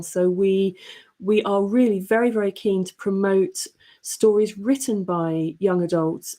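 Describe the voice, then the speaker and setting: Female panelist, mellow and fairly low, articulate and earnest in discussion. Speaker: podcast editor, panelist. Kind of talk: considered panel discussion talk.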